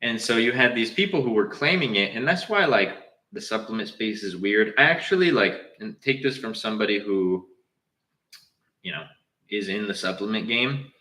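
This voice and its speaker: A man's voice: lowish voice, expressive, normal speed, pushed and bright, echoey room, low-quality recording. Slangy young man hosting a livestream. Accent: Southern Californian. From Southern California. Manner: loose, slangy, talks straight to viewers. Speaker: livestream host. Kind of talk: casual livestream chat.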